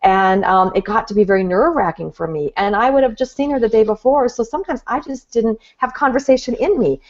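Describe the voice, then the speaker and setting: Gentle woman coach, lo-fi sound. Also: a little high, a little fast. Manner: gentle, earnest, explaining with examples. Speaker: guest expert, relationship coach. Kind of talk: webinar teaching talk. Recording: dull lo-fi audio.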